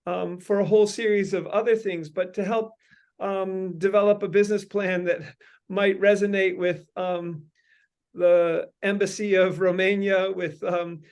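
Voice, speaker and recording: High-voiced man, halting and winding. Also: flat delivery, clear, resonant tone. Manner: halting, many ums and uhs, long winding sentences. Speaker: host leading a meeting. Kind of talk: brainstorming meeting talk.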